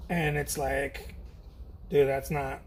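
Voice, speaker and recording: A man's voice: medium pitch, level tone, slow. A man chatting casually while he paints on a livestream, rambling, repeating his phrases and swearing now and then. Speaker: painter streaming a demo.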